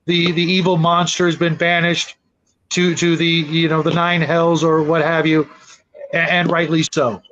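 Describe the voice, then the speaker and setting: A man talking casually on a discussion panel, halting and repeating words as he builds his point. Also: fairly high pitch, little pitch movement, fairly bright tone, muffled recording. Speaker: tabletop gaming discussion panelist.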